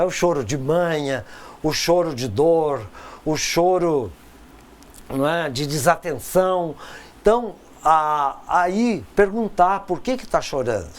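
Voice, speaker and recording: A man giving a recorded course lecture in a conversational way, with frequent tag questions, pauses and repeated words. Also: on the high side.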